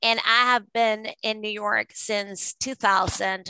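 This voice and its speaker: A woman with a Spanish accent speaks at medium pitch in a bright, sharp tone. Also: dry, close sound with no echo. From Venezuela. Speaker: author and art advisor. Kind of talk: interview.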